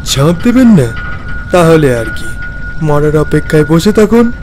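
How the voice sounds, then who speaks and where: A man playing an eerie, cryptic passenger who speaks menacingly in an animated ghost story. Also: a little high, unhurried, noisy background. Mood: ominous. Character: eerie, sweating male steamer passenger, cryptic and ominous. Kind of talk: animated horror story dialogue. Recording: loud background music.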